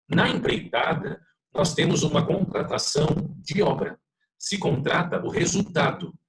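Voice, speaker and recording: A man's voice: a little high, vocal fry. Fields: man, professor, glitchy dropping-out audio, roomy echo. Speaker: law professor. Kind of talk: online lecture.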